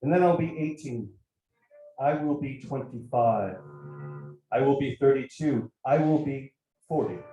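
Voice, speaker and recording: A man reading a first-person literary piece aloud at a live event, measured and reflective in his delivery. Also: mid-range voice. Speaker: actor reading a writer's piece. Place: bar event space, indoors. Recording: very echoey room, faint music.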